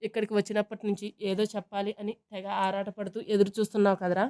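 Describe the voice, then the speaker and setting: Gentle, caring older brother, read by a female storyteller, mellow, smooth and level. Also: mid-range voice, level tone, fast, lightly acted.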